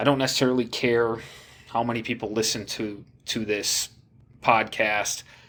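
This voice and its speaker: Calm in tone, a man speaks at a medium pitch and moderate pace with fairly even intonation. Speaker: sports podcast host. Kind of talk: podcast monologue. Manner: monotone; calm, low-key.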